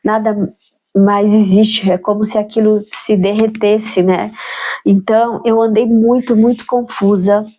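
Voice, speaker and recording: A woman's voice: mid-range voice, little pitch movement, unhurried, mellow, muffled recording. A woman with a nasal, stuffed-up voice from a cold, reflecting aloud on her spiritual practice in a musing way and adding tag questions to her sentences. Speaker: spiritual vlogger. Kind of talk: reflective personal talk.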